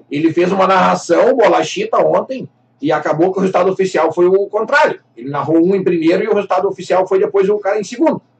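The man's voice is high and animated, with ordinary pitch variation. He talks at a very fast pace. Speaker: cycling event host and live show presenter. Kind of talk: live stream chat show.

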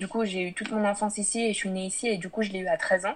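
Here a woman with a normal speaking voice talks at a fairly quick pace, her pitch varying in an ordinary way. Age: 20s. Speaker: university student. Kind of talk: casual chat. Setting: video call.

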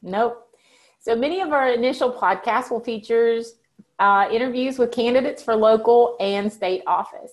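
A woman speaks in a normal speaking voice, her pitch fairly high. She keeps a moderate pace with ordinary pitch variation. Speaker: podcast host. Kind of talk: interview.

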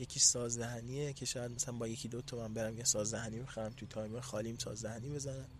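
The voice is somewhat breathy, running at a very fast pace with hardly any pauses. Its intonation is monotone and flat, and room echo is audible. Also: man, medium pitch for a man. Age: 20s. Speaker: podcast host, van-life traveller. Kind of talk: casual monologue.

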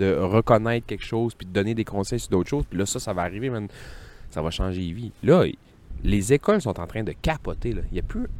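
A man with a plain, everyday voice talks at a fairly quick pace, his pitch fairly low with ordinary pitch variation. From Quebec, Gaspésie. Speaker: podcast co-host. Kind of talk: casual chat.

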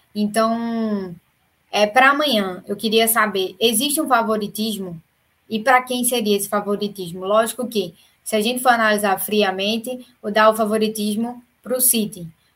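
At a moderate pace, a woman talks in an ordinary speaking voice with a fairly high pitch and fairly even intonation. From Pernambuco, Brazil. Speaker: football podcast host. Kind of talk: casual football chat. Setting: livestream.

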